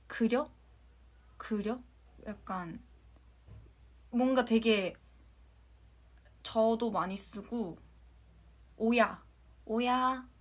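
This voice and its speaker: Giggly young woman, light Jeolla accent. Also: medium pitch. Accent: light Jeolla Korean. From Jeonju, Korea. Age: young adult. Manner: chatty, giggly, drifts into soft whispers. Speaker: idol livestream host. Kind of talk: casual livestream chat with fans.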